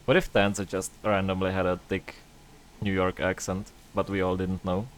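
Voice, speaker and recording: Male streamer talking casually over gameplay, sarcastic and joking, on the low side. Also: flat delivery, normal speed, a little hiss or hum. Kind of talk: casual gaming stream chat.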